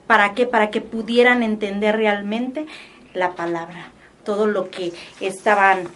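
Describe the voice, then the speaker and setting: A woman's voice: mid-range voice, fairly even intonation, measured pace, fairly bright tone, a little hiss or hum. A woman from Mexico, a guest on a Christian radio program, explaining a point in a thoughtful way.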